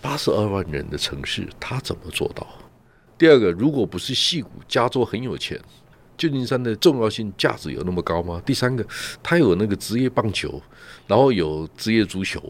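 A man's voice: on the low side, lively intonation, brisk. A man from Taiwan, chatting as a radio guest and telling travel stories full of rhetorical questions. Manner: storytelling, peppers talk with rhetorical "right?" and "ha". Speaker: guest commentator. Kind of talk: casual radio chat.

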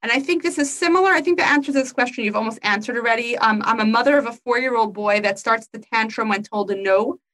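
A woman's voice: on the high side, quick pace, hardly any pauses, fairly bright tone. Upbeat woman hosting a parenting chat. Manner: enthusiastic, playful, acts out kids' voices. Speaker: podcast host reading listener questions. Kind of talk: casual conversation.

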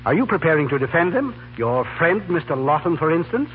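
A man's voice: on the high side, big pitch swings, fairly quick. An actor playing an indignant, sputtering middle-aged father in a 1930s radio comedy. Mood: stern. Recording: tinny, noisy 1930s radio recording.

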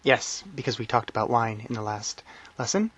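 A man hosting a language-learning podcast in a relaxed, friendly way. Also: mid-range voice, normal speed, slightly rough. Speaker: podcast host. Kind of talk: casual podcast talk.

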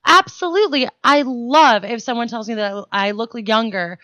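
Late 20s woman, confident and well spoken, a bit high, dry sound. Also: moderate pace, sharp tone, no echo. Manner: articulate, self-assured. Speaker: podcast co-host. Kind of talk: casual comedic chat.

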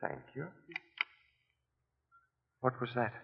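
A man playing a sly fake swami and spirit medium in an old radio drama, speaking in a formal, theatrical, deliberate way. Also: natural voice. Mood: smooth, guarded. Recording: dull old radio recording.

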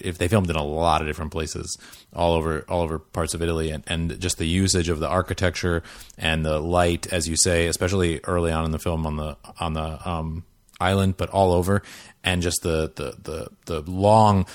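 Deep-voiced man, eager film chat. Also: no room sound, studio quality. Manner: enthusiastic, rambling with many restarts. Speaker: podcast panelist. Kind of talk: casual film discussion.

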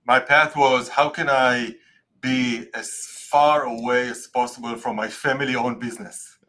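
A man's voice: mid-range voice, fairly even intonation, a little slow, sharp tone. A man with an Israeli accent, a native Hebrew speaker, answering interview questions in English and often searching for words. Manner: many fillers, searching for words. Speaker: guest tax expert.

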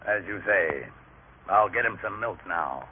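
An actor playing a suspicious, money-minded innkeeper in old radio drama style, sly and grudging. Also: male voice, deep voice, expressive, measured pace. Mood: grudgingly obliging. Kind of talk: old-time religious radio drama acting. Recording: tinny, noisy vintage radio recording.

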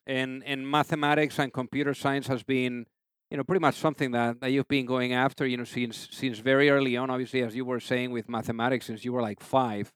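A man's voice: mid-range voice, flat delivery, fairly quick, smooth, dry recording. A man hosting a podcast interview, wordy and conversational, often padding with "you know".

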